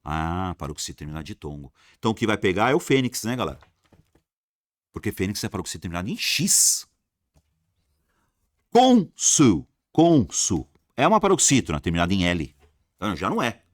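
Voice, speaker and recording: A man's voice: on the low side, sing-song, fairly quick, long pauses, no echo, studio quality. A man teaching an exam-prep grammar lesson, repeating rules emphatically and answering imagined student questions.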